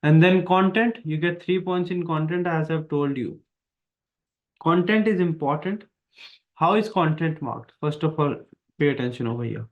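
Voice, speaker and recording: A man with an Indian accent teaches an online exam lesson, his voice sitting a little high for a man. He explains each step emphatically and keeps repeating the main points. The recording sounds somewhat dull and lo-fi. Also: normal speed.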